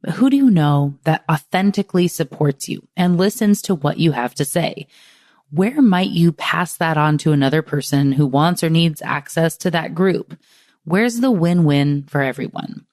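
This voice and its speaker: Low-voiced upbeat woman podcast host. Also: expressive, normal speed, a little mellow, dry recording, clean studio sound. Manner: upbeat, encouraging. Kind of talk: podcast hosting and scripted wrap-up.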